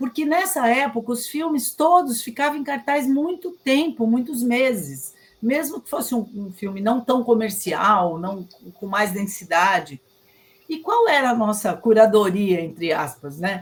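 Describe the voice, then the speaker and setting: In a São Paulo accent, a woman speaks slowly-ish at fairly high pitch, her pitch swinging very widely. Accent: Paulistano Brazilian Portuguese. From Brazil, São Paulo. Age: 60s. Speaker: communication and education researcher. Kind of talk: radio interview.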